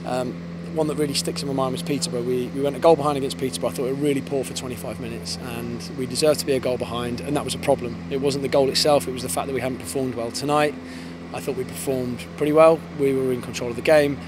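A man in his thirties, an English football head coach, giving a post-match interview outdoors on a floodlit pitch at night, fast and thoughtful with many restarts. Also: steady tone. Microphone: handheld interviewer mic. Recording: outdoor with clear background noise.

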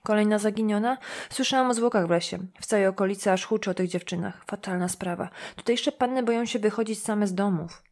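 A woman's voice: medium pitch, quick pace, few pauses, close to an everyday voice. A woman reading an audiobook, voicing a shy, talkative teenage village girl who runs herself down. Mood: chatty. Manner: lively, chattering, self-deprecating.

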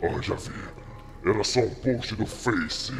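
Pennywise, a creaky Brazilian clown monster. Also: male voice, fairly low pitch, a bit bright, faint music behind. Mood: mocking, sly. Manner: drawn-out, taunting, theatrical. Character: Pennywise, menacing mocking dancing clown monster. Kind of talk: video game horror role-play.

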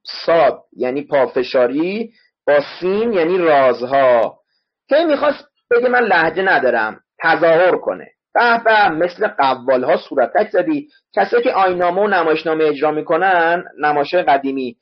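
A man's voice: a little high, slightly rough. A male literature teacher giving an online class lecture, explaining words one at a time and repeating spellings for his students. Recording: dull lo-fi online class audio.

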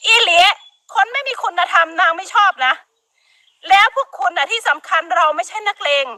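Scolding high-voiced Isan woman. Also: normal speed, sharp tone, dry recording. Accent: Northeastern Thai (Isan). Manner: scolding, emphatic, frequent laughter, Isan dialect words. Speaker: live-stream host. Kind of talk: heated casual live-stream rant.

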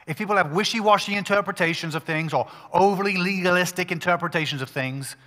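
A male pastor preaching a sermon at a pulpit microphone, talking in an emphatic, conversational way with quick restarts. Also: high voice, bright, forceful tone, in a large hall.

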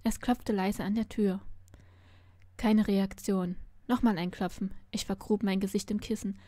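A woman's voice: medium pitch, fairly even intonation, a little slow, mellow, no room sound. A woman reading a novel aloud, narrating expressively in the first person. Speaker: story reader.

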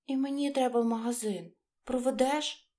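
A woman's voice: sits high, fairly even intonation, moderate pace, mellow, voice pushed up, close to an everyday voice. A woman voicing a small, earnest female battery in a children's storybook, with music behind her. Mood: eager. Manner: earnest, storybook character speech.

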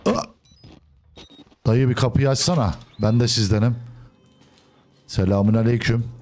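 A man hosting a gaming video, casually commenting on his play in a joking way. He talks back to the game characters and swings between loud outbursts and low mutters. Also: unhurried. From Turkey.

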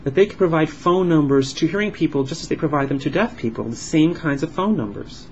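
A man voicing a signed vlog as an interpreter, explaining in halting phrases with uneven pauses. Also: on the high side, lively intonation. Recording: dull lo-fi sound with clear background noise.

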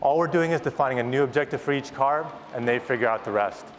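A man's voice: medium pitch, fast. A man in his thirties, a company founder, giving an enthusiastic, rehearsed keynote product presentation on a large conference stage. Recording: long hall reverb, audience noise.

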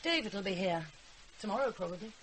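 Woman playing anxious english mum in a radio play, fed up and sarcastic, mid pitch, hissy tape. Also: lively intonation, fast, fairly bright tone, natural voice. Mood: weary, sarcastic. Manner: tense, sarcastic, pleading. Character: anxious, exasperated, resentful middle-aged mother. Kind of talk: British radio drama acting. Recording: hissy, noisy radio drama recording.

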